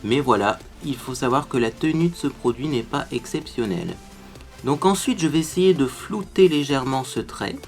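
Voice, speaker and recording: A man with an ordinary mid-range voice hosts a casual beauty tutorial. He chats to his viewers as he works and explains each step. Soft music plays faintly underneath. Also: mid-range voice, animated, normal speed. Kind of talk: casual makeup tutorial talk.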